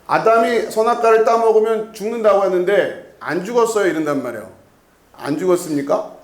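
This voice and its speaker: A man's voice: high voice, lively intonation, a little fast, reverberant. A male pastor preaching an expository sermon in a conversational way. He often puts questions to the congregation and repeats key words. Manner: asks the congregation frequent questions. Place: church sanctuary.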